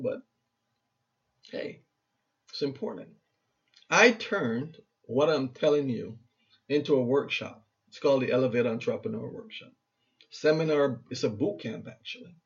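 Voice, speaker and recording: In a muffled lo-fi recording, a Barbadian man in his fifties who works as a speaker and radio host gives an earnest motivational talk. His medium-pitched voice is animated at a moderate pace as he urges listeners on, repeating himself for emphasis.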